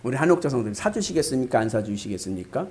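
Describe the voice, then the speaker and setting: A man's voice: medium pitch, very animated, rapid-fire, a little mellow. A man preaching a sermon as pastor, asking the congregation rhetorical questions.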